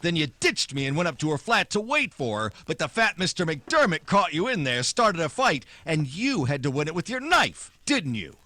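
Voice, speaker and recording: An actor playing a tough, wisecracking 1940s private detective in noir radio drama style, sardonic and clipped. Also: male voice, fairly high pitch, big pitch swings, normal speed, few pauses, pushed and bright, no room sound. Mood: hard, threatening.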